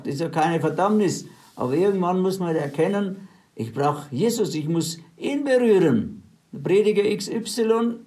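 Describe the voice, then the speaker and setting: A man's voice: high voice, darkish tone. A man preaching a sermon, retelling scripture stories in plain everyday words and urging his listeners on in faith.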